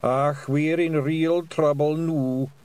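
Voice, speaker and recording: A man's voice: on the high side, steady tone, takes it slowly, a little mellow, smooth, no echo, voice pushed up. A man voicing a timid, gloomy little male pixie with a Scottish accent, moaning in dread. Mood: wailing dread. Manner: wailing, moaning.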